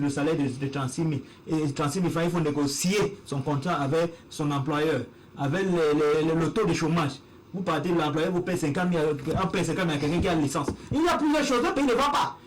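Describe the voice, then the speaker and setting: Forceful man arguing, high voice. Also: a little fast, a little hiss or hum, low-quality recording. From Cameroon. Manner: forceful, repetitive, emphatic. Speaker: panel guest. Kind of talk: heated TV debate.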